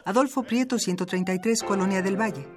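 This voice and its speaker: Station announcer, brisk info read over clear music bed. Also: mid-range voice. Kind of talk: scripted radio promo.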